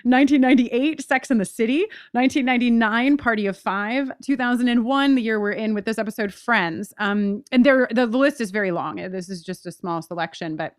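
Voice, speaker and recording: A woman hosts a rewatch podcast in a fairly high voice. She is emphatic and expressive, dropping casual asides into her commentary. The sound is dry, with no room on it. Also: a little fast, hardly any pauses, no room sound. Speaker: podcast host.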